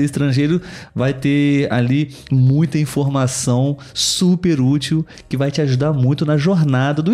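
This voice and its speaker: With a mellow, medium-pitched voice and a Brazilian Portuguese accent, this man hosts a podcast casually and chattily, full of fillers and asides to his co-host.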